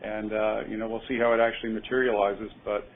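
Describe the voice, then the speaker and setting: Over a narrow phone line, a man with a fairly low voice answers questions as a company executive. He talks in a measured, upbeat business register, unscripted, as on an earnings call. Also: level tone. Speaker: airline executive answering analysts.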